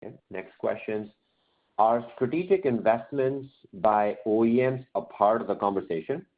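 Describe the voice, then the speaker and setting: Male moderator reading out investor questions, slightly low voice, narrow phone-quality sound. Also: lively intonation, moderate pace. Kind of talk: reading questions aloud on an investor conference call. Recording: thin, phone-like conference line.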